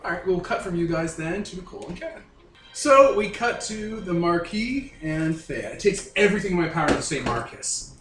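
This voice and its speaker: A man with a fairly high, very animated voice acts as game master in casual talk. The room is echoey, with faint noise behind him. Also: normal speed. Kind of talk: casual tabletop game narration and banter.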